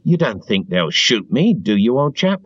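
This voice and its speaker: A man voicing a frightened, servile middle-aged man who pleads eagerly in a high, strained voice. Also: very animated, normal speed, breathy edge, no echo. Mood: pleading. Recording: dull dry lo-fi recording.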